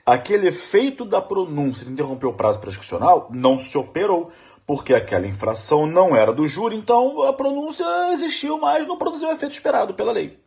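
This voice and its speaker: A middle-aged man with a Brazilian Portuguese accent gives an emphatic, animated law lecture for exam preparation, repeating questions to his audience. His high voice is very animated, quick and creaky, with a darkish tone.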